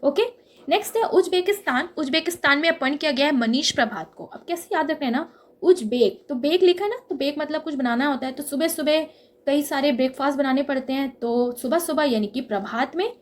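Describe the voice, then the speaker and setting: A young woman with a high voice teaches an exam-prep lesson built on memory tricks. She explains each trick step by step, checks in often with the listener, and draws out key words to make them stick. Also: brisk.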